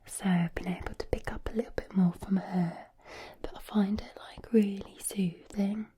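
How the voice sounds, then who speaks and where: A woman voicing a calm, soothing Brummie woman in a breathy whisper with a Black Country lilt, for ASMR. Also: medium pitch, normal speed, lightly acted. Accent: Birmingham, Black Country.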